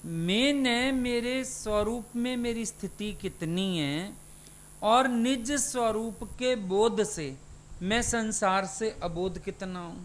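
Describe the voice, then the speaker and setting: A man's voice: sits high, takes it slowly, a little hiss or hum. A man, a spiritual teacher, giving a satsang sermon and putting questions to his listeners.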